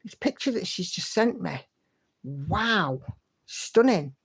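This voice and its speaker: A woman's voice: on the low side, sing-song, takes it slowly, slightly rough. Chatty woman hosting a stream. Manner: chatty and encouraging, hums to herself. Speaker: livestream host. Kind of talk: casual chat reading viewer comments.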